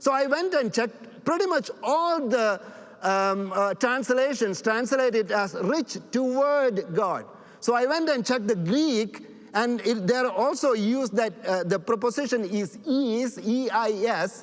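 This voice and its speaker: Speaking with a non-native accent, a man with an extremely high pitch talks at a fairly slow pace, his intonation lively and his loudness very even. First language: not English. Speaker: pastor. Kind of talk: sermon. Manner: halting.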